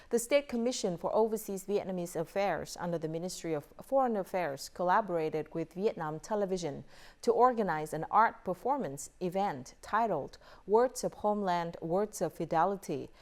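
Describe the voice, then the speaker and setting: A woman news anchor reading scripted news in a measured, formal way. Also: fairly low pitch.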